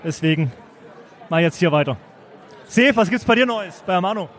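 A man's voice: high voice, lively intonation, fairly quick, a bit bright, some chatter behind. A man from the Stuttgart area hosting a podcast at a trade fair lounge, chatting casually and jokingly with plenty of fillers. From Germany, Stuttgart area. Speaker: podcast host. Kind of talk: casual chat interview.

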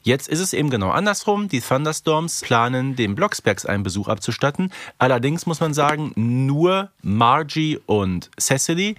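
A man with a mid-pitched voice talks as a podcast co-host in a conversational recap style. He reasons through each point analytically and often adds short tag questions. The recording is close and dry, with hardly any room sound. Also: lively intonation, moderate pace, few pauses, fairly bright tone, no room sound.

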